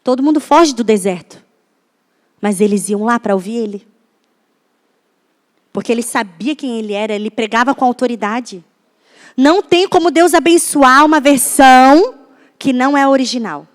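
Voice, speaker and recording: A woman's voice: fairly high pitch, lively intonation, normal speed, pauses often. A woman pastor from Brazil preaching a sermon in a church, often turning to the audience with questions in a chatty way. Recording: echoey church hall.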